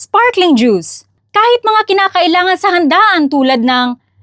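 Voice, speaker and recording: With a dry, close sound and no echo, a woman speaks at a very slow pace in an extremely high pitch, her voice making very wide pitch swings. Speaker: voiceover artist recording a commercial. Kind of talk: retail commercial read. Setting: recording studio. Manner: segmented, being coached toward smoother, more excited delivery.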